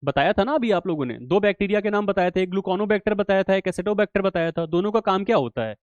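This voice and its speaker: A man's voice: high voice, expressive, fairly quick, no room sound, muffled recording. A young man teaching a live online exam-prep class in a casual manner, often checking in with his students. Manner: casual, repeats "theek hai" and "clear", addresses students as bhai. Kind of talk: live online class, solving quiz questions.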